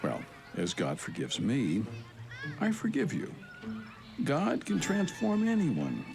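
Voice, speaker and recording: A man's voice: on the high side, wildly swooping pitch, slow pace, gravelly, over music, exaggerated voice. An actor playing a kindly, folksy, easily flustered man of faith in a children's radio drama, hesitant and earnest. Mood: earnest, forgiving.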